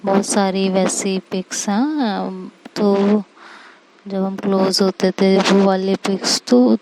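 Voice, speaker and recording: A woman's voice: a little high, steady tone, normal speed, gravelly, noisy background. A woman doing Ishika, a nervous stammering young wife. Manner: stammering, pleading, sweet-talking.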